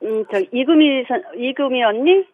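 A woman's voice: sits high, lively intonation, normal speed, background noise. Giggly woman on a tinny phone line. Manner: polite, soft-spoken, giggly. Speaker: caller. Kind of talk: phone call to a radio show. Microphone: telephone.

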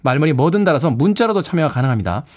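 A man's voice: on the high side, sing-song, rapid-fire, a little mellow. A man hosting a radio show from the studio, playful and laughing often as he talks with listeners. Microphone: studio microphone.

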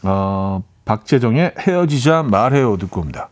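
A man's voice: lowish voice, lively intonation, moderate pace, noisy background. A man hosting a radio music show, chatting casually, reading listener messages aloud and laughing often. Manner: chatty, laughs often, mimics dialect playfully. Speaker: radio DJ host. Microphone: studio microphone.

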